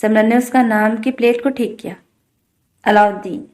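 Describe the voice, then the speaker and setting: A woman narrating a novel aloud in an even storytelling manner. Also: fairly high pitch. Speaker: novel reader.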